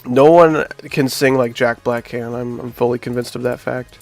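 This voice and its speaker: A man's voice: medium pitch, steady tone, moderate pace, creaky, a little mellow, soft background music. A man with a nasal voice from being sick, chatting casually to his live-stream viewers while he builds a game level. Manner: chatty, talks to chat while working.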